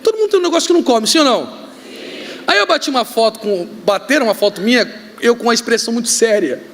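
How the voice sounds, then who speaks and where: A man with a Brazilian accent, a pastor preaching a sermon, joking and telling stories with sudden shouts. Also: very high voice, quick pace, a little hiss or hum. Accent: Brazilian Portuguese. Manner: joking, animated storytelling with shouts. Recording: reverberant hall, faint ambience.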